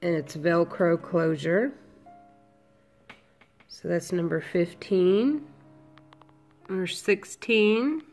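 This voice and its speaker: A woman with a cold, sniffling a little, slowly listing her handmade headbands for sale from home. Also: lowish voice, a little mellow, faint music behind. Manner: slow, unhurried item-by-item listing. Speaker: crafter selling handmade headbands. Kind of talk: casual product walkthrough.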